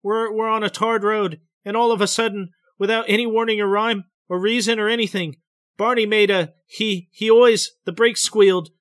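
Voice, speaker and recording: A man voicing a frightened woman who relives a memory under hypnosis, speaking between sobs in a halting, stammering, breathless way. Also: high voice, a bit bright, no echo, pitched above the performer's own voice. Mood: trembling. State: sobbing.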